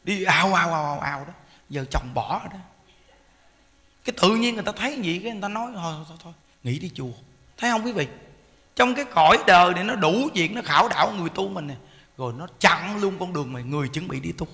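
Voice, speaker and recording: A man, a Buddhist monk giving a sermon in a folksy, animated storytelling manner. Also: sits high, quick pace. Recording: long hall reverb.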